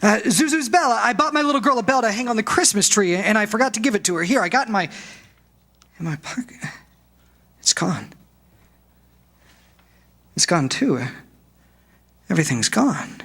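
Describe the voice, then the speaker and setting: Guy playing a panicky stammering husband in a radio play, really swoopy bright voice, losing it. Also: high-pitched, very animated, moderate pace, creaky, long pauses, full character voice. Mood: agitated. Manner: stammering, agitated. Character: frantic, bewildered family man losing his grip. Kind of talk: 1940s radio play stage reading.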